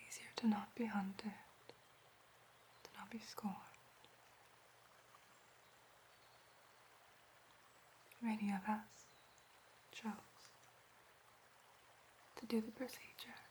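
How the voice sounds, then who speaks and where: A woman playing an ancient, gentle elf therapist in a whispered role-play, speaking softly, formally and solemnly in a breathy whisper. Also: mid-range voice, flat delivery, slow, pauses often, a little hiss or hum, lightly acted. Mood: wistful, solemn.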